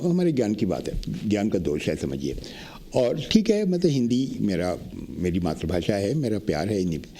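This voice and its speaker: A man's voice has a dark, mellow tone and very wide pitch swings. Room echo is audible. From India. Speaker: physicist and poet. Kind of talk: TV interview.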